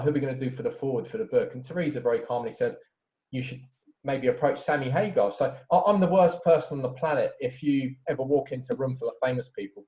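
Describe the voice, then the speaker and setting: A man, a guest author, spins animated anecdotes in a relaxed interview. His voice is mellow and warm. The recording sounds a little dull and lo-fi. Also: mid-range voice. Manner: animated storyteller with lively anecdotes. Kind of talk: conversational interview.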